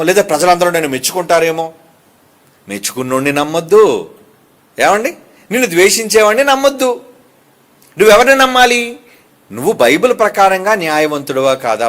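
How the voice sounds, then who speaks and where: A man preaching a sermon as pastor, emphatic and animated, firing rhetorical questions and asides at the crowd. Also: high-pitched.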